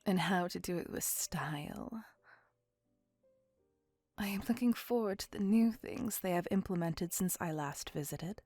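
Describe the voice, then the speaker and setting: A woman voicing a possessive, centuries-old female vampire in an ASMR roleplay, whispering softly with formal, old-fashioned phrasing. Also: lowish voice, measured pace, no room sound. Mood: tender. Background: faint music.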